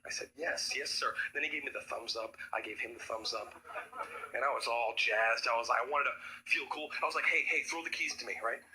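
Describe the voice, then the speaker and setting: A young man performing a stand-up comedy set, jumping into loud high-pitched voices for characters. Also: fairly quick, slight background noise, poor audio.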